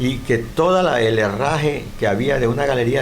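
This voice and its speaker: Medium-pitched male speech with audible room echo and noticeable background noise. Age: 80s+. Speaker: local historian. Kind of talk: casual chat.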